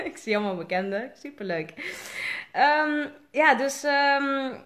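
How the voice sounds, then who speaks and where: A woman's voice: sits high, lively intonation, a little slow, a bit bright. Dutch-accented woman coach, loose rambling live-chat delivery, filler-heavy. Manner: chatty, rambling, many fillers. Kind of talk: casual live video chat.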